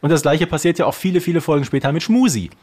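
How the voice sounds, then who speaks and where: A woman co-hosts a podcast in a casual, conversational style. Her voice has a husky, slightly rough edge to it. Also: sits low, very fast, mellow. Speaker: podcast co-host.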